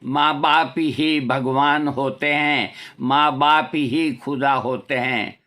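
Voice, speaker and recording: A man's voice: mid-range voice, steady tone, takes it slowly, sharp tone. An older man giving a preachy, scolding talk with rhetorical questions, as a homeopathy vlogger. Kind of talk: moral talk to camera.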